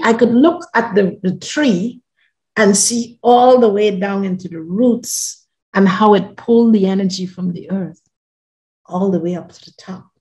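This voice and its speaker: A woman's voice: lowish voice, rough recording. Older Guyanese-born woman, earnest storyteller. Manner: earnest, emphatic, often trailing off softly. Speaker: podcast guest. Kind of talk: personal storytelling. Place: home living room. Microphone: video call.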